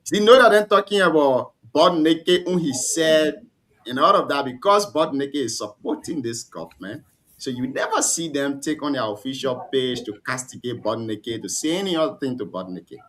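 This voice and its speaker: A man hosting a political talk show, lively and challenging his guests. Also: medium pitch, normal speed.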